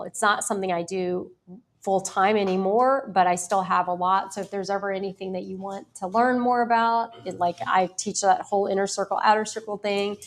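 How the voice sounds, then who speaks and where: A chatty woman from Houston speaks to a small group at a live-streamed meetup. She rambles through her points with many "like"s and restarts, and her voice has a slight gravelly fry. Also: mid-range voice. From Houston, Texas. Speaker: presenter at a business meetup.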